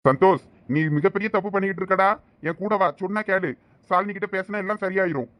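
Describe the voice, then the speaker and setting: A man's voice: high-pitched, fast, fairly bright tone, no room sound. A man voicing a hot-tempered loyal friend with a Thoothukudi accent. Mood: urgent. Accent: Thoothukudi Tamil. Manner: scolding, pleading with his friend. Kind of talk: cartoon voice acting.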